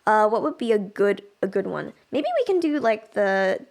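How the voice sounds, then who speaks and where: A woman's voice: mid-range voice, expressive, normal speed, vocal fry, a little mellow. A woman trainer teaching music production in a casual, chatty livestream style, thinking aloud as she demonstrates. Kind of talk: casual livestream software tutorial.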